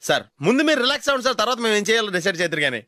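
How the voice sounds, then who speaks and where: A man's voice: sits high, very animated, racing, bright, forceful tone, no echo, clean studio sound, full character voice. An actor playing a sly man who pleads and wheedles after a car crash, in a film comedy scene. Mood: wheedling. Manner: wheedling, pleading, keeps saying sir.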